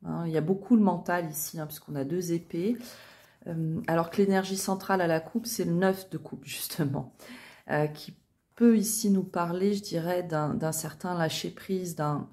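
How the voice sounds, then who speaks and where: Woman with a deep voice for a tarot reading video; reassuring, halting delivery. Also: warm tone. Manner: hesitant, many fillers and tag questions. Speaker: tarot reader.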